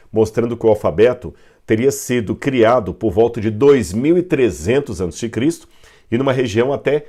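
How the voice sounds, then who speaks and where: A man's voice: fairly low pitch, darkish tone. A man with a Brazilian Portuguese accent teaching a Bible history lesson, explaining step by step with fillers and self-corrections. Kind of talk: explaining at a whiteboard.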